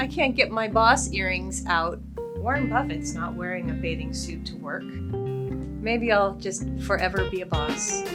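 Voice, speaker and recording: Music plays behind the voice. A woman talks at a fairly slow pace. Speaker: lifestyle and career advice vlogger. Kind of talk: casual talk to camera.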